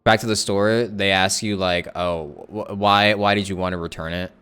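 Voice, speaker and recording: A man's voice: sits low, steady tone, moderate pace, pushed and bright, a little hiss or hum. A man giving casual, slangy live commentary on a game as a streamer, often repeating his phrases. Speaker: game livestreamer. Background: game music.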